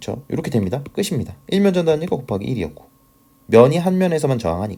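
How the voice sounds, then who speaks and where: Talking very fast, a man uses a fairly high pitch with vocal fry, a dark, mellow tone and very wide pitch swings. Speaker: structural engineering instructor. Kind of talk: lecture. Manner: conversational, frequent rhetorical questions.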